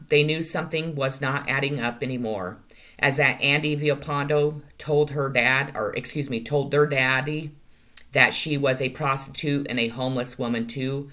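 A woman's voice: rumbling low, a bit bright. A middle-aged woman speaking to camera in a monologue, occasionally stumbling and correcting herself, recorded on a webcam in a small room at home. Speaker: vlogger. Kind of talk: monologue to camera, delivering claimed channeled messages.

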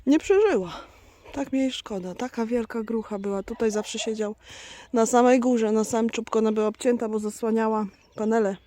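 A woman's voice: on the high side, normal speed, mellow. A woman vlogging outdoors on her farm, chatting to her goats and to her viewers. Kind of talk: casual vlog chat.

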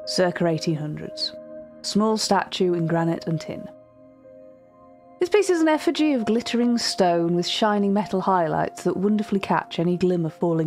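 A woman playing a cultured, earnest art curator, narrating a fiction podcast in a formal, precise and measured manner. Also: on the low side, darkish tone.

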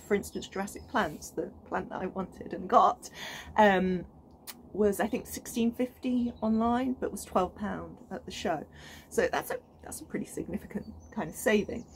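A British woman in her thirties talks to camera outdoors on an allotment plot, chatty and enthusiastic, with plenty of ums and restarts. Her voice sits at a middling pitch, and faint outdoor ambience hums behind her. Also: slight background noise. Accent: British English. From United Kingdom. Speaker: gardening vlogger. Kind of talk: casual chat to camera.

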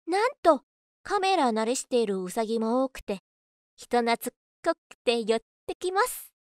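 Woman, scripted narration, somewhat high pitch, dry studio microphone sound. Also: big pitch swings, moderate pace, no room sound. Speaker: voice-over narrator. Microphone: studio condenser microphone on boom arm.

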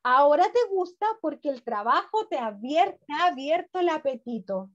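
A woman voicing a busy, patient country mother in a storybook read-aloud, calm and matter-of-fact. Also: sits high, moderate pace. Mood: amused. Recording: dull lo-fi video call audio.

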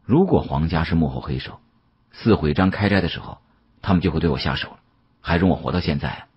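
A man narrating a mystery novel as an audiobook, in an expressive, dramatic first-person storytelling style. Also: rumbling low, quick pace, husky, lo-fi sound.

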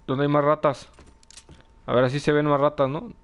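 A man's voice: fairly high pitch, level tone, normal speed, clear, resonant tone. Joking Mexican young man streaming. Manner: joking, reads chat aloud, laughs often. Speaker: gameplay streamer. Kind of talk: casual live gameplay commentary.

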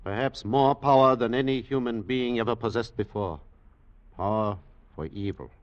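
An actor playing a grave, world-weary older German scientist in a 1940s radio drama, speaking deliberately. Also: male voice, medium pitch, natural voice. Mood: grave, foreboding. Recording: muffled 1940s radio broadcast.

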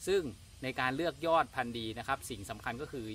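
A man in his thirties giving a polite, steady gardening demonstration outdoors at a plant nursery. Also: medium pitch, fast talker, soft background music. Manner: polite, steady instructional delivery. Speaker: farm channel host.

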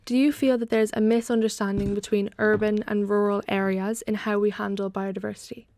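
On a TV-style studio set indoors, a young woman in headphones speaks into a large desk microphone as host of a panel podcast. Her brisk, mid-range voice has a darkish tone and little pitch movement as she gives friendly, scripted-sounding introductions and poses easy questions to her guests.

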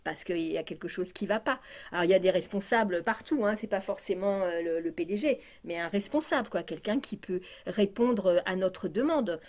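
A woman's voice: mid-range voice, lively intonation, normal speed, a little mellow. A woman vlogger ranting in a casual monologue, indignant and exasperated, with many fillers and restarts.

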